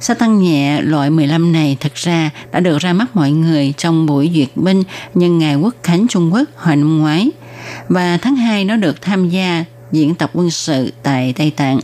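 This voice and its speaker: A woman speaks at a fairly slow pace with a fairly low pitch and lively intonation. Noticeable background noise is present. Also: very even loudness. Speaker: radio presenter. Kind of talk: scripted narration.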